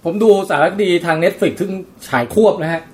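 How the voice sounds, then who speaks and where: A man co-hosting a casual chat, recounting what he watched in a relaxed storytelling way with playful asides. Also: fairly high pitch, normal speed, crowd noise. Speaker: podcast co-host.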